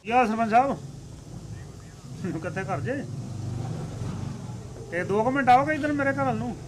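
A man's voice: very high-pitched, animated, moderate pace, background noise. A man at the visited home who gives brief, offhand replies.

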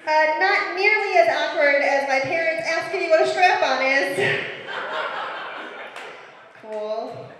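A woman in her thirties doing a stand-up comedy set on a club stage, with a deadpan, self-mocking way of telling stories into a handheld mic. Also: high voice, slow pace, pauses often, background noise. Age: 30s. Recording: echoey club room with long reverb.

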